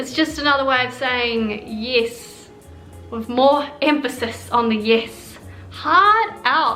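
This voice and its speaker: Over music in the background, a woman speaks high-pitched in an upbeat tone at a very slow pace. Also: ordinary pitch variation. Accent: New Zealand. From New Zealand. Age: 20s. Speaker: YouTuber. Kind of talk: casual talk to camera. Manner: upbeat, chatty.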